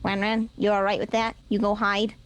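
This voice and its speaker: A woman at a tabletop role-playing game, speaking in an ordinary mid-range voice. She improvises in casual chat with an eager, excitable way of talking. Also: medium pitch, moderate pace, a loud crowd.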